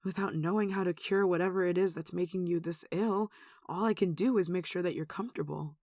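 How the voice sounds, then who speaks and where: A performer playing a gentle, protective nun in an ASMR roleplay, speaking in a tender, soothing and wistful way. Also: medium pitch, steady tone, brisk, dry recording, clean studio sound, natural voice. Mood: tender, reassuring. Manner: tender, soothing, wistful, with sighs and soft chuckles. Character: gentle, protective young nun caring for a sick demon. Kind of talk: ASMR roleplay, soft intimate acting.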